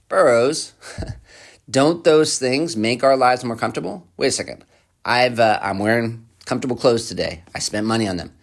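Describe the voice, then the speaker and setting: A pastor delivering a sermon in an easy, talky style. His voice sits on the low side, and he keeps turning to the listener with questions. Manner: conversational, asks the listener repeated questions.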